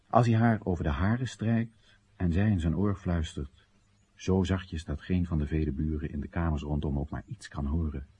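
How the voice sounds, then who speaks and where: A man's voice: deep voice, warm tone, breathy edge, full character voice. An actor playing an exasperated, ironic Chinese citizen addressing his comrades in emphatic short phrases, in a theatrical radio play monologue. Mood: hushed, intimate.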